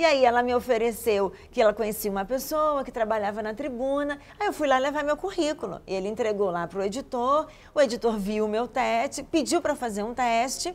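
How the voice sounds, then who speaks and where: This woman has a high-pitched voice and a lively, varied intonation. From Rio de Janeiro suburbs, Brazil. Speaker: TV presenter. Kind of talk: interview.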